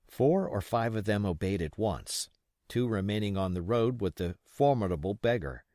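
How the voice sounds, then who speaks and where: A man's voice: lowish voice, lively intonation, moderate pace, dark tone, no room sound, clean studio sound. A man reading an adventure novel as an audiobook narrator, in scripted storytelling style.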